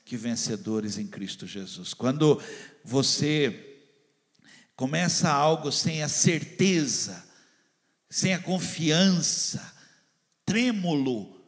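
Brazilian pastor, fairly high voice, fervent sermon delivery, long hall reverb. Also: male voice, lively intonation, slow, pauses often. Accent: Brazilian Portuguese. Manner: fervent preaching that swings between loud and hushed; acts out the lines of people and God he quotes.

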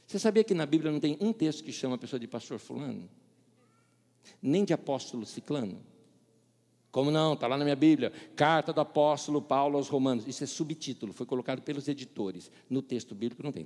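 Animated Brazilian pastor in reverberant hall. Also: male voice, fairly high pitch, husky. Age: middle-aged. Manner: animated storyteller, acts out dialogue, laughs at own jokes. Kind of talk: sermon with humorous anecdotes.

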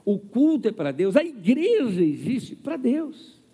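A man's voice: very high voice, very animated, measured pace, warm tone, husky. A man preaching a sermon as pastor to his congregation, with rhetorical questions and acted quotes. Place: church hall. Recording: long hall reverb.

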